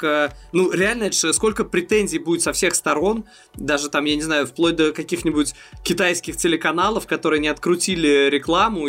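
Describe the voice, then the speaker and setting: A man's voice: a little high, fairly bright tone. A man co-hosting a football podcast, talking things through in a thoughtful, analytical way with hesitant fillers. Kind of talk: casual chat.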